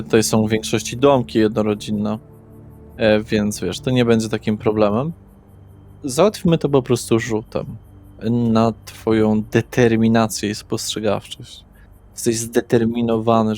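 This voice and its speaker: Slow-paced male game master, music behind. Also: lowish voice, fairly even intonation. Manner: unhurried, casual asides to players. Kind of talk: slow atmospheric narration of a horror RPG. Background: soft guitar music.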